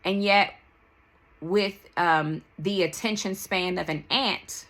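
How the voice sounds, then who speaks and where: A woman with a D.C. records a personal podcast monologue. Her voice is very bright and forward, sitting a little low. She speaks slowly and candidly, breaking her reflective sentences into short, halting pieces. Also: fairly even intonation. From Washington, D.C., United States. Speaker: podcast host.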